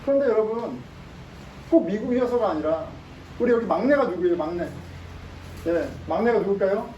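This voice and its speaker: Pastor preaching in an echoey sanctuary. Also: male voice, sits high, animated, moderate pace, a little mellow, highs cut off, a little hiss or hum. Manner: emphatic, asks the congregation rhetorical questions. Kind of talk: sermon. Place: church sanctuary. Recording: echoey room, mic at a distance.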